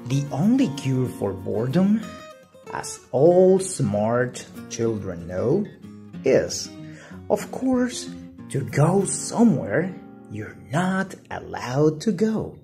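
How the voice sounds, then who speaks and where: A woman reading a children's story aloud with deliberate, expressive and dramatic phrasing. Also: very deep voice, soft background music. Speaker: storybook reader.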